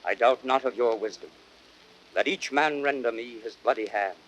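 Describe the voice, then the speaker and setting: A man's voice: medium pitch, fairly bright tone, close to an everyday voice. An actor playing a Roman nobleman, a grieving and vengeful orator, in declamatory verse in a 1930s radio Shakespeare style. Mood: solemn, restrained. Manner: declamatory, theatrical, measured verse delivery. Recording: noisy old 1930s radio broadcast recording.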